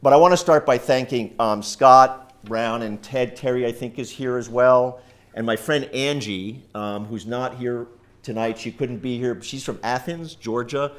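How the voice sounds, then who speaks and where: New guy with a big loud voice, giving a rally-style keynote in a university lecture room, no mic, upbeat and fired up. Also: mid-range voice, measured pace. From New York. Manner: fervent, optimistic rally speaking. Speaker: keynote speaker. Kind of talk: political speech. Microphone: unamplified voice picked up from the room.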